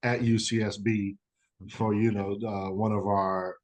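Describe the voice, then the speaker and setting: A man's voice: fairly low pitch, little pitch movement, measured pace, a little mellow. A man, a guest author, telling a personal story in a rambling conversational way, full of "you know" and fillers.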